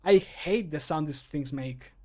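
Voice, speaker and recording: Guy doing a grim fantasy game adventurer, full of disdain, slightly high male voice. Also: measured pace, dark tone. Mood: disgusted. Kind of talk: video game voice-line acting.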